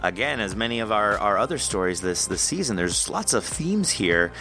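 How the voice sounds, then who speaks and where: A man's voice: fairly low pitch, sing-song, moderate pace, pushed and bright, faint music behind. A man hosting a podcast interview in casual chat, friendly and rambling with frequent laughs. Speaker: podcast host.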